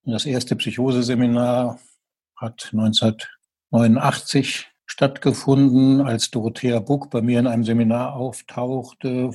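An older male professor answers an interview, measured and a little hesitant. His voice is mellow and slightly husky, recorded dry and close. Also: medium pitch, dry recording. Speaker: psychiatry professor.

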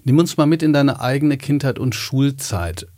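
A man's voice: medium pitch, animated, normal speed, a little mellow, dry recording. Male interviewer, dry-sounding voice. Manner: engaged, long winding questions. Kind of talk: conversational interview questions.

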